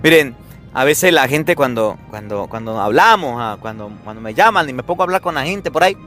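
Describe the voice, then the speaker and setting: A Catholic priest preaching a sermon, telling everyday stories and acting out little dialogues. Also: male voice, medium pitch, expressive, brisk, a bit bright, soft background music.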